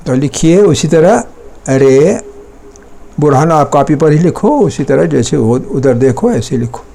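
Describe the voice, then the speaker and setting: A man's voice: fairly high pitch, expressive, unhurried, creaky, mellow. A male teacher giving a classroom language lesson, patiently explaining and repeating each word many times, checking in with pupils through short questions. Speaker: Persian teacher. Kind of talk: classroom lesson, dictating and drilling words.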